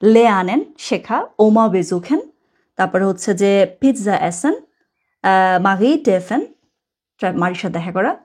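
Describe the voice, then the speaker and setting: Woman, language teacher, breathy voice, chatty explanations, self-correcting. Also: medium pitch, expressive, measured pace, a little mellow. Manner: chatty, explains words step by step and corrects herself. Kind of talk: explaining a textbook lesson.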